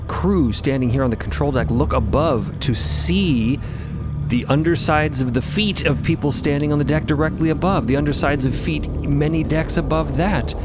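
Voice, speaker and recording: A man's voice: mid-range voice, vocal fry. A man giving dramatic scripted narration as a storyteller. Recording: prominent music bed behind narration. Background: loud music.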